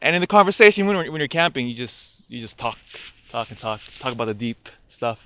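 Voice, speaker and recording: A man's voice: mid-range voice, expressive, fairly quick, bright, forceful tone, highs cut off, a little hiss or hum. A man speaking as a Catholic priest, giving liturgical readings and a homily in an intoned or conversational, rhetorical manner.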